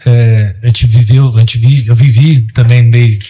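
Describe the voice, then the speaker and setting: A man with a Brazilian Portuguese accent and a husky voice, chatting casually as an interviewer and fellow musician. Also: medium pitch, steady tone, unhurried, warm tone. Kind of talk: casual chat.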